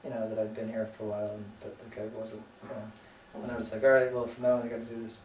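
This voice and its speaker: Talking fast in a fairly low, a little mellow voice with completely flat delivery, an interviewee from the United States rambles about his life, hesitant, trailing off and swearing casually. The distant mic picks up roomy echo and faint noise.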